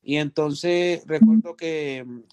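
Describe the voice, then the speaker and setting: Un hombre con acento colombiano, productor musical, cuenta anécdotas en una entrevista de forma animada, imitando voces. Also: male voice, on the high side, slow, smooth, no room sound. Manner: animated, acts out quoted voices. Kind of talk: casual storytelling interview.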